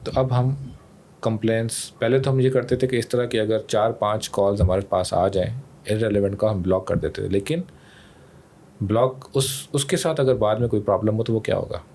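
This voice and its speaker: A man's voice: on the low side, fairly even intonation, normal speed, a little mellow. A man with a Pakistani accent explaining his emergency service as a podcast guest, mixing English phrases into his talk. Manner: mixes in English words and phrases. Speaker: emergency rescue service official, interview guest. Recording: clear background noise.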